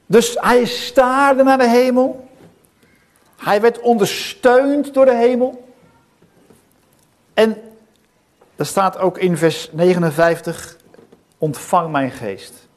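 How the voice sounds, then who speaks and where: A middle-aged man preaching a sermon in a church. He speaks earnestly, with frequent rhetorical questions and pauses between phrases. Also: extremely high pitch. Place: church hall.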